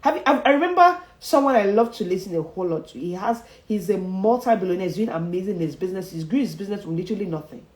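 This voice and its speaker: A woman leads a motivational speaking lesson with emphatic repetition and frequent chuckles. Her pitch rises and falls in a lively way as she pushes each point. The sound carries a noticeable room echo. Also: fast talker, hardly any pauses. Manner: emphatic, repeats key phrases, chuckles often. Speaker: public speaking coach. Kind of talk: motivational livestream teaching. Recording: roomy echo.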